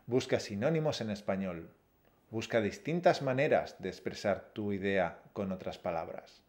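A man co-hosting a Spanish-learning podcast, explaining steps in a steady, encouraging way. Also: fairly low pitch, normal speed. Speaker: Spanish teacher, podcast co-host. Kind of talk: scripted lesson.

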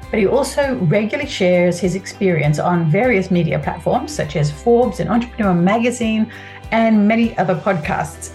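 A woman hosts a podcast interview in an upbeat, chatty way, and she laughs easily. Her voice sits at an ordinary middle pitch. Faint music plays behind her. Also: a little mellow. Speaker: podcast host.

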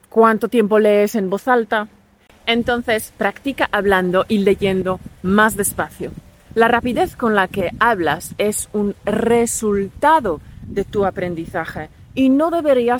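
Woman, podcast teacher, calm clear delivery, encouraging, close mic, dry sound. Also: mid-range voice, dry recording. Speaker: Spanish teacher and podcast host. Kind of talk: scripted lesson narration.

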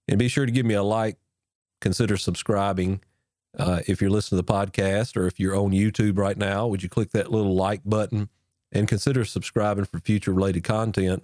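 A man's voice: fairly low pitch, a little mellow, no room sound. A man hosting a podcast as a pastor, talking close into a broadcast mic with a stuffed-up, nasal voice from illness, earnest and encouraging. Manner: earnest, encouraging, chatty with fillers. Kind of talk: instructional podcast talk. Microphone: dynamic broadcast mic, close.

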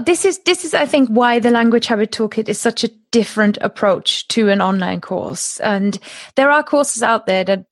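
A woman's voice: mid-range voice, dry recording, studio quality. A woman in her thirties whose first language is German, chatting as a podcast guest, laughing often and restarting her phrases. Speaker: guest, language course creator. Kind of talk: conversational podcast interview.

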